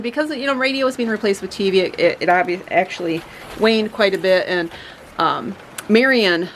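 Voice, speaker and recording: A woman's voice: fairly low pitch, a little hiss or hum, rough recording. A woman hosting a family homestead channel, talking casually and chattily with many fillers and restarts. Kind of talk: casual talk to camera.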